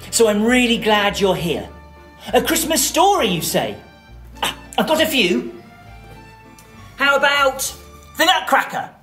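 Female children's storyteller, theatrical, slow and deliberate, highly animated intonation. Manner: dramatic, deliberate phrasing.

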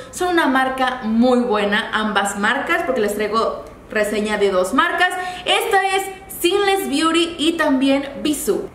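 Upbeat young woman, high voice, casual makeup review, roomy echo. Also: fairly bright tone. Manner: chatty, upbeat and friendly. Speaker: beauty vlogger. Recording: echoey room, faint ambient noise.

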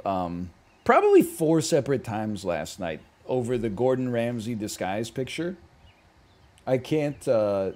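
A man in his thirties riffing casually while streaming games, animated and swinging between loud and quiet for comic bits, on a headset mic at home. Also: fairly high pitch. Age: 30s. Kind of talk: casual gaming stream chat. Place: small room at home.

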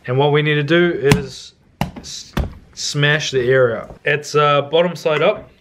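A young man with a voice a little higher than most men's. He talks like a cooking vlogger, giving laid-back, slangy instructions in a casual style. He is recorded in a home kitchen. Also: unhurried, noisy background. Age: young adult.

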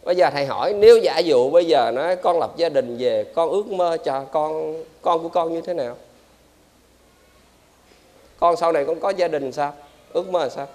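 A man, a Buddhist monk giving a lively dharma talk and quizzing his audience. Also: on the high side, normal speed.

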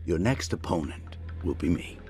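A man voicing a stern, clipped old red panda martial arts master in an animated film. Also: low-pitched, moderate pace. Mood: cool menace. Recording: film soundtrack with prominent music.

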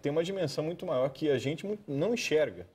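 A man's voice: fairly high pitch, animated, fast, darkish tone, slightly rough. A man, a TV co-host making reflective follow-up remarks. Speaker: TV news co-host.

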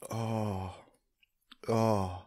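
A man's voice: fairly low pitch, flat delivery, a little mellow. A young man reacting casually to the camera while suffering the burn of hot horseradish, sweating and teary, with groans and sighs between short phrases. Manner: slow, broken utterances with groans, sighs and exclamations. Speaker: vlogger doing a food challenge. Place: small home room with desk. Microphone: studio condenser mic on boom arm, close.

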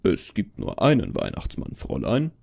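A man voicing a jolly, avuncular old Santa who talks slowly and patronizingly to children in a storybook horror tale. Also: huge pitch swings, vocal fry, darkish tone, full character voice. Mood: jolly, insistent. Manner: slow, booming, patronizing to children.

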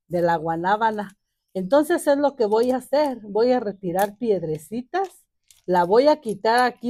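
A woman's voice: mid-range voice, dark tone, dry recording. An older woman, hosting a casual gardening vlog, chatty and joking, with many fillers and a fond tone toward her plants. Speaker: gardening channel host. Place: home garden outdoors.

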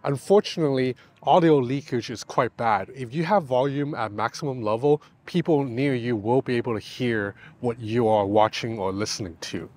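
A man's voice: medium pitch, normal speed, hardly any pauses, a little mellow. Man reviewing gadgets outdoors. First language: Cantonese. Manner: conversational, explanatory, self-deprecating. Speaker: tech reviewer. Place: outdoors in a city park. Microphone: clip-on lapel mic.

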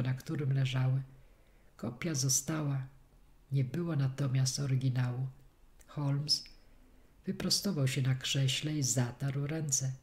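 A woman reading a detective story aloud as a steady first-person audiobook narration. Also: very deep voice. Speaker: audiobook reader.

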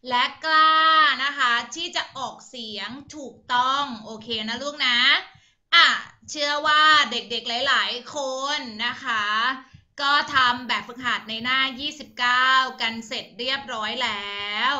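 A young woman teaches a primary English class over a video call. Her voice is high and very bright, and she talks slowly. She coaxes her pupils gently and spells words out letter by letter. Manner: slow, gentle, coaxing, calls pupils "ลูก", spells words out.

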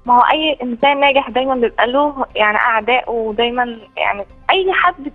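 A woman's voice: a little high, soft background music. A woman with an Egyptian accent calling in over a poor phone line, talking earnestly with lots of fillers. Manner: rapid, earnest, full of fillers and praise. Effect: caller on a poor phone line. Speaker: caller. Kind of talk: call-in chat.

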